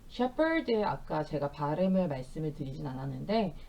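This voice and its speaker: A middle-aged woman teaching Bible verses in English with explanations, speaking gently with soft fillers and reading verses slowly for repetition. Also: fairly low pitch, expressive. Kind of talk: bilingual scripture lesson with slow repetition drills.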